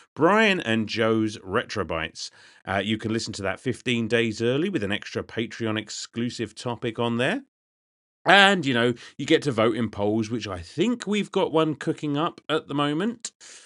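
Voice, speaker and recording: A man speaks with a British accent and lively intonation against a quiet background. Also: medium pitch for a man, moderate pace. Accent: British accent, complimented by listeners. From Britain. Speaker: podcast host. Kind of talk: casual podcast chat. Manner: hesitant, many fillers.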